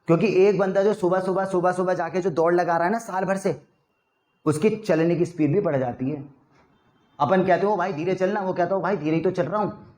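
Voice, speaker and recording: Young man, Hindi accent, classroom English teacher, conversational and a touch high-pitched. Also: a little mellow. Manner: chatty, addresses class with rhetorical checks. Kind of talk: classroom spoken-English lesson.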